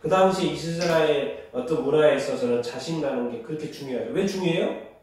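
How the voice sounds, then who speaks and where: A male pastor giving a Bible study sermon, teaching by quizzing the congregation and repeating their answers, and reading scripture aloud slowly. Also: a little high, a little mellow. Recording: very echoey hall, mic far off.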